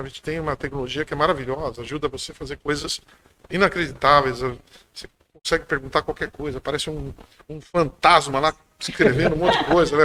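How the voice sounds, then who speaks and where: Bright and sharp in tone, a man speaks at a fairly high pitch. His pace is fairly quick. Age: 60s. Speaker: business author and speaker. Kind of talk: podcast interview. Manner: hesitant, frequent filler repetitions.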